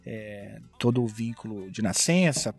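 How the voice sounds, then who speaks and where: A man's voice: on the low side, lively intonation, a little slow, gravelly, slightly rough, no room sound, soft background music. A man co-hosting a podcast, chatting casually and joking with his guest. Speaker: podcast co-host.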